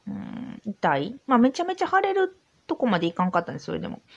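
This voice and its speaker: A woman speaks with very wide pitch swings. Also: dry, close sound with no echo. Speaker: podcaster. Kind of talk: casual solo monologue while drinking. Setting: home recording in an old house.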